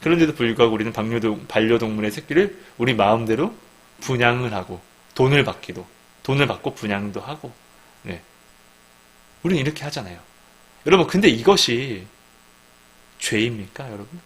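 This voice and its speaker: A Christian speaker delivers an informal devotional sermon, briskly and with lively intonation in a mid-range voice, broken by long pauses. He often asks his listeners questions and acts out quoted dialogue, and the audio quality is poor.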